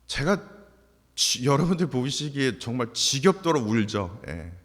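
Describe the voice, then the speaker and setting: A man's voice: mid-range voice, big pitch swings, a little slow. A man in his forties preaching a confessional, emotional sermon to his congregation. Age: 40s. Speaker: pastor. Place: church sanctuary. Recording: long hall reverb.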